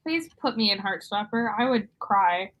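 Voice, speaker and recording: A woman's voice: medium pitch, lively intonation, moderate pace, fairly bright tone. A young American woman co-hosting a casual book chat, gushing and playfully dramatic. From United States. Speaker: co-host of a book discussion live stream.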